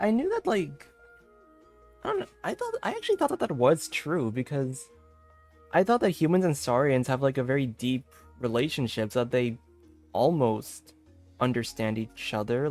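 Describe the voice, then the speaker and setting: A woman streamer giving casual gameplay commentary in a halting, informal way. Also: rumbling low, very animated, darkish tone, faint music behind.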